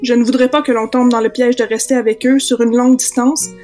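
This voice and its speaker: Woman as calm male ranger, Québécois, patient, high voice, faint music. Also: fast, lightly acted.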